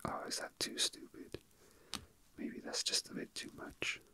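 A man whispering in a breathy, unvoiced voice, rambling casually and a little hesitantly as an ASMR host, musing to himself. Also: measured pace, sharp tone.

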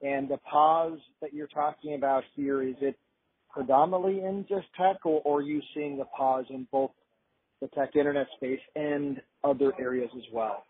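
A man questioning executives on a conference call as a financial analyst, halting and often repeating words. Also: a little high, steady tone, breathy edge. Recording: muffled narrowband phone line.

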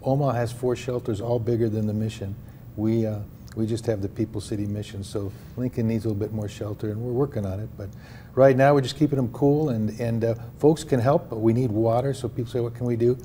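A man's voice: medium pitch, fairly even intonation, fast talker, warm tone, slight background noise. An older man, a pastor at a homeless mission, talking earnestly in a live TV news studio interview with a Midwestern American accent, often repeating words as he restarts.

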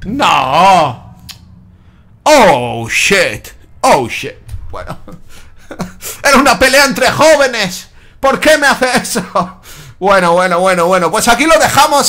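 A young man doing excited, joking gameplay commentary, shouting sound effects as he plays. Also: high voice. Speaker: gaming YouTuber.

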